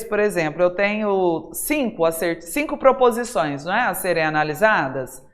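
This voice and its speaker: A Brazilian woman teaching an exam-prep class at a mid-range pitch. She talks straight to the students in a lively way, throws out rhetorical questions and leans on key words by saying them slowly and loudly. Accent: Brazilian Portuguese. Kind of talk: recorded classroom lesson.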